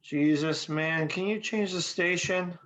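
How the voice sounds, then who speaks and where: A woman's voice: on the low side, measured pace, fairly bright tone. A woman playing a laid-back, aggrieved male slacker in a script read, grumbling in a hazy way. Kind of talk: virtual table read of a film script.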